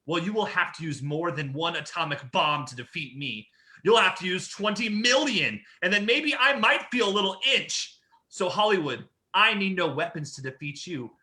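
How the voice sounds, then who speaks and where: Brash old war-veteran wrestler, acted by a man, boastful, taunting, high-pitched, forceful, staged promo reading. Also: expressive, normal speed, full character voice.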